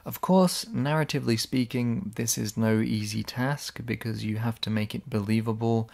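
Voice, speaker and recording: A man's voice: lowish voice, flat delivery, moderate pace, creaky, darkish tone. A man giving casual, sarcastic video essay commentary. He is blunt, swears when annoyed, and his voice sounds slightly worn.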